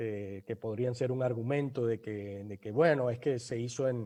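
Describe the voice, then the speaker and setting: Fairly even intonation from a man, medium in pitch, with a dark, mellow tone. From Venezuela. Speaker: voice actor. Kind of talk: interview answer.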